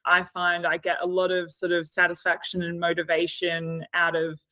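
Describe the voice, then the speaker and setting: Chatty Australian woman, flat pitch. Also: moderate pace, no echo. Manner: chatty, lots of hedges like "sort of" and "you know". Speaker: podcast guest. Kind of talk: casual interview chat.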